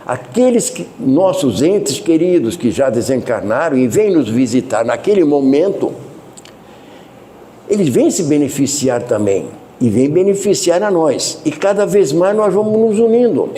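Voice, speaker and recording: A Brazilian man gives a spiritist lecture in a loud voice that never drops, turning to the audience with asides and questions. His pitch sits a little high and swings widely through each phrase. The tone is mellow and warm rather than bright. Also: a little hiss or hum. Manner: loud, unchanging speaking voice that he cannot lower; conversational, addresses listeners with asides and questions. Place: spiritist center meeting hall.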